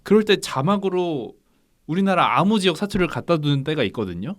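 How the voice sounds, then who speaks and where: Co-host, male; higher voice with a lively swing, musing, rambling delivery. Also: brisk. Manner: rambling, thinks aloud. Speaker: podcast co-host. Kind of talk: casual book discussion.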